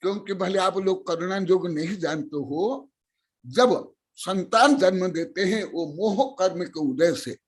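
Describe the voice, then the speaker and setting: Older man preaching, high-pitched and slow, scolds and questions the listeners. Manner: scolding, questioning the audience, bursts of loud emphasis. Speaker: Jain monk teaching scripture. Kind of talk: sermon to lay listeners.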